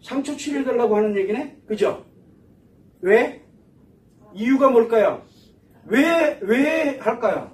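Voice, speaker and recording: A man giving a psychology lecture to an audience, animated and full of rhetorical questions. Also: very high-pitched, slow pace, long pauses. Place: lecture hall. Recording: echoey room from far off.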